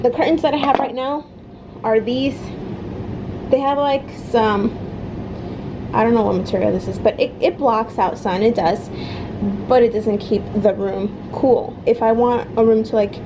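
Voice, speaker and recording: A woman's voice: on the high side, background noise. A young woman casually reviewing products for her vlog at home, talking straight to viewers with lots of ums and likes. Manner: chatty, addresses viewers as guys, many ums and likes. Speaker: vlogger. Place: at home, bedroom and stairs.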